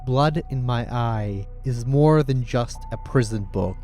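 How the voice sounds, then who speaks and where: Male essay narrator, relaxed mid-range voice, casual and sardonic, faint music bed. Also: medium pitch, slow. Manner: opinionated, sarcastic, casual swearing. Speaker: video essayist, host. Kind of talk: scripted video essay narration. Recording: music playing under the voice. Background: background music.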